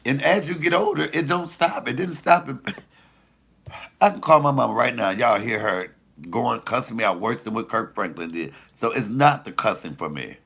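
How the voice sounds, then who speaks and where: A deep-voiced middle-aged man riffs to his livestream audience. His voice has a gravelly edge and swings widely in pitch as he talks, loose and profane. The sound is a plain phone or webcam capture. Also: moderate pace. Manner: animated, loose and profane storytelling. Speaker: comedian hosting a livestream. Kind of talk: casual livestream chat with viewers.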